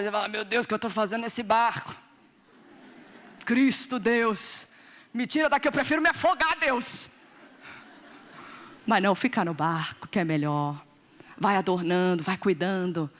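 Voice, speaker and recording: A woman's voice: lowish voice, long reverb tail. A woman with a Brazilian Portuguese accent preaching a sermon, questioning her audience and acting out voices.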